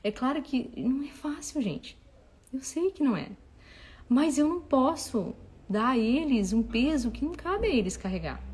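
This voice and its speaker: A woman giving parenting advice to an audience in a casual, expressive talk. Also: high voice, moderate pace, breathy edge. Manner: expressive, acts out dialogue with children. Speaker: parenting advice speaker and mother.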